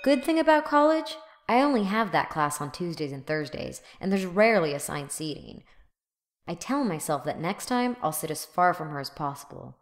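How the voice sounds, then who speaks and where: A woman's voice: on the low side, big pitch swings, normal speed. A woman playing a cynical, exasperated college student in her twenties, narrating and acting in an audio drama with sarcastic grumbling. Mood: weary, sardonic. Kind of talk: first-person audio drama narration and dialogue.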